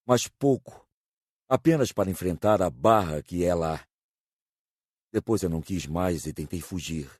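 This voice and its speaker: Audiobook role: male actor as repentant ex-addict spirit, deep and mellow, earnest sorrowful confession. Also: no echo, studio quality. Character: young male former addict spirit, remorseful, once idle. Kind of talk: dramatized audiobook dialogue.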